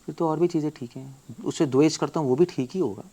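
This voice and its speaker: A man's voice: on the high side, quick pace, creaky, dark tone. A man speaking as a monk, giving a devotional lecture to followers; emphatic, full of rhetorical questions, often mixing English words into his talk.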